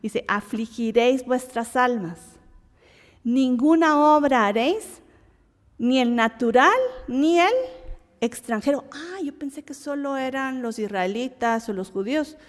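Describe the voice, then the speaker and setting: A fairly high-voiced woman with a Guatemalan Spanish accent leads a Bible lesson. She talks in a loose, conversational way, posing questions and answering them herself. Her voice rings out in a hall with a long reverb. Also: measured pace. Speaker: Bible teacher.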